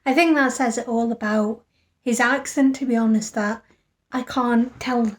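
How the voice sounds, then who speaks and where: A woman's voice: a little high, measured pace. A tired woman book vlogger chatting casually after reading all night, rambling and thinking aloud. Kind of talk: casual vlog chat.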